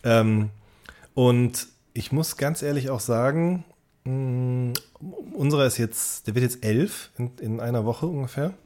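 A man's voice: medium pitch, a little slow, mellow. A man with a German accent talking casually as a podcast co-host in an earnest, reflective way.

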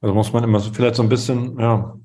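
A man hosts a podcast interview in a dark, mellow voice. He asks loose, halting questions, searches for words with lots of fillers, and now and then drops in a joke. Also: mid-range voice, flat delivery, breathy edge. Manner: casual, hesitant questions with many fillers, joking.

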